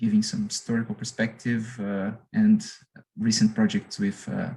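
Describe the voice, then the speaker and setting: At a moderate pace, a man speaks with a Portuguese accent. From Brazil, south of Minas Gerais. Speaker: acoustics professor. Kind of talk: lecture. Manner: halting, many fillers and repetitions.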